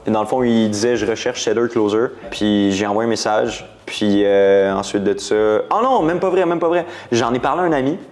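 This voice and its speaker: This Quebec-accented entrepreneur, also in his twenties, speaks at a normal speed in a fairly low, darkish voice with fairly even intonation and hardly any pauses. As a guest in a casual interview, he tells his story in a rambling, slangy way, slipping in English words.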